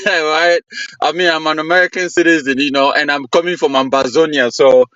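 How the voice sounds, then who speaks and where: A man's voice: a little high, steady tone, moderate pace, pushed and bright, dry recording. Guy from cameroon arguing on a panel, dodging questions, dull muffled audio. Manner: defensive, deflecting, laughs off questions. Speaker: panel guest. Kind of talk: heated debate.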